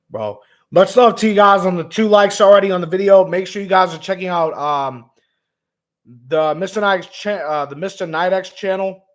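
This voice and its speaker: A man who is hoarse and raspy, hosting a laid-back gaming vlog livestream with lots of ums, talking to viewers as man and bro. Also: high voice, normal speed, pauses often. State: hoarse, lost voice. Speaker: gaming vlogger host. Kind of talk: casual livestream chat.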